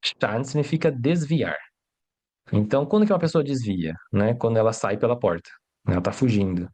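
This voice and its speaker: A man's voice: mid-range voice, normal speed, a little mellow. A man teaching in a casual live stream, chatty and reassuring, who keeps checking in with his viewers and answers their questions as he goes. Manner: chatty, asks "né?" and "tá?" constantly. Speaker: Mandarin teacher.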